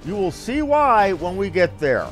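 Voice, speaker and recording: A man's voice: sits high, big pitch swings, unhurried. A man giving casual, folksy live commentary as he streams a game, swearing now and then. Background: video game music.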